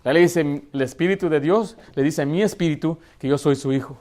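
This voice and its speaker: Man preaching, slightly high voice. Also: brisk, darkish tone. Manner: emphatic, conversational preaching with rhetorical questions. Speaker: pastor. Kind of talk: Baptist sermon. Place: church.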